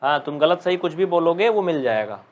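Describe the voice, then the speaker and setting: Higher-pitched man teaching math, scolding. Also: lively intonation, a little fast, muffled recording. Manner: scolding, teasing students, reading out commenters' names. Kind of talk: live online class lesson.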